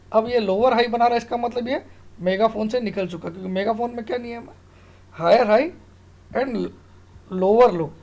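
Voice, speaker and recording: A man's voice: high voice, creaky, darkish tone. A middle-aged man explaining informally like an online tutor, self-assured and emphatic, often putting questions to the listener and checking they follow. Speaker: stock market analyst and online tutor. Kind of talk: informal screen-tutorial explanation of trading charts.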